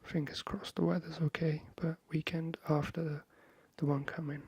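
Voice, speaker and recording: A man speaking softly and breathily, half whispering in a hesitant, friendly ASMR chat into a close microphone. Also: fairly high pitch, level tone, moderate pace, slightly rough, dry recording. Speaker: ASMR video creator. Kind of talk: soft-spoken ASMR, friendly chat roleplay.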